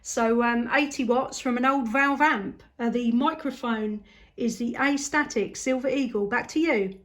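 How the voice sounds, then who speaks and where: This is a relaxed amateur radio chat from a woman in southeast England with a southern English accent. Slightly high in pitch and unhurried, she sounds casual and appreciative.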